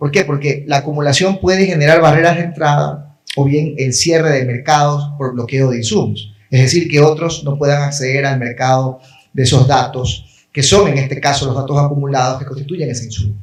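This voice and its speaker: The speaker is somewhat breathy, talking at a moderate pace with hardly any pauses and ordinary pitch variation. Room echo is audible. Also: man, fairly high pitch for a man. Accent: coastal Ecuadorian. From Ecuador coast, Guayaquil. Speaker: lawyer and government data protection official. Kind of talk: conference talk. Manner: hesitant repetitions, filler sounds.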